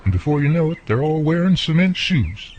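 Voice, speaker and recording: A man's voice: fairly high pitch, sing-song, fairly quick, darkish tone, slight background noise. An actor playing a friendly, plainspoken country handyman neighbor with an American country accent, talking folksily in a radio drama. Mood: wary, firm. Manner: folksy, colloquial, drawling turns of phrase. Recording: muffled, lo-fi audio.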